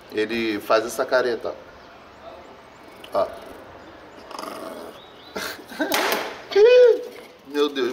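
A man's voice: medium pitch, distant mic, a little hiss or hum. A young man vlogging casually to camera with a sore throat, speaking in a slangy, chatty way outdoors. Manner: slangy, talks straight to camera. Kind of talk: casual vlog chat. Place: outdoors against a sunny wall.

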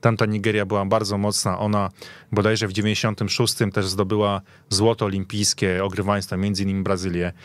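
A man's voice: lowish voice, level tone, brisk, no room sound. A man giving casual, analytical football commentary as a guest in a radio studio.

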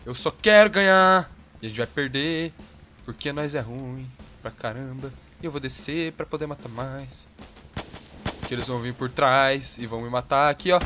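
Young Brazilian gamer host, Brazilian accent, edgy bright tone, quick to explode and curse at his match. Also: medium pitch. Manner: hot-tempered, swearing, sudden yelling bursts. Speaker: gaming channel host. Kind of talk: rage gameplay commentary.

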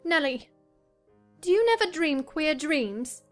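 A woman playing a willful, troubled young gentlewoman in a dramatized audiobook, earnest and dramatic. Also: sits high, animated, takes it slowly, pitched above the performer's own voice. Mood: troubled, confiding. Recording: music under the voice.

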